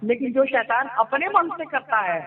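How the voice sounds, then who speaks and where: A woman's voice: sits high, expressive, moderate pace. A woman calling in on the phone, talking insistently in a preachy way. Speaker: caller. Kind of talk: phone conversation. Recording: tinny phone line, far from mic.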